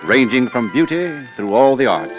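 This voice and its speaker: A man's voice: medium pitch, sing-song, moderate pace. A man hosting a 1930s radio program, narrating oddities and interviewing a guest in a formal, showman-like announcer style. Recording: muffled 1930s radio recording with music.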